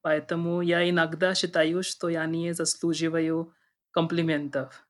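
A man's voice: a little high, flat delivery, unhurried. A man in his twenties from India, a native Hindi speaker with an Indian accent, speaking carefully and formally as an interview guest, a little nervous. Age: 20s. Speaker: podcast guest. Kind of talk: interview conversation in a second language.

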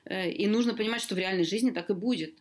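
A woman language teacher chatting as a podcast guest, explaining in a lively way with sudden lifts in her voice. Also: mid-range voice, racing. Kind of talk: casual conversation, explaining.

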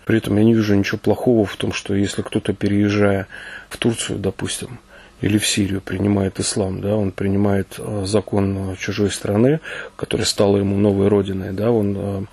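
Low gravelly husky man, flat delivery. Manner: measured, with frequent hesitations. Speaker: commentator. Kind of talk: interview commentary.

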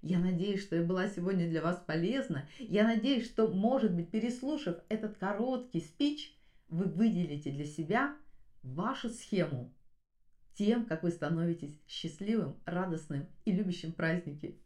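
A woman's voice: lowish voice, animated, moderate pace, a little mellow, reverberant. A woman giving motivational commentary as a podcast host, speaking earnestly and emphatically and addressing her listeners directly.

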